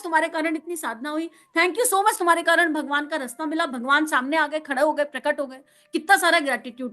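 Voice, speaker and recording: A woman spiritual counsellor giving a devotional talk, animated, acting out little dialogues and laughing often. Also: high voice.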